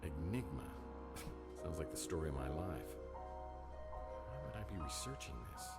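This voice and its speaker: An actor playing a wry, world-weary private detective in an adventure game, musing sardonically to himself in noir style. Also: male voice, a bass voice, sing-song, a little slow, creaky, darkish tone, slightly rough, soft background music, heavily acted. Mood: puzzled musing.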